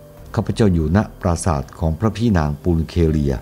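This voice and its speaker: A man reading the part of a female lady-in-waiting who speaks evenly and calmly, without putting on a woman's voice. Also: sits low, faint music behind. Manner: even, plain and measured.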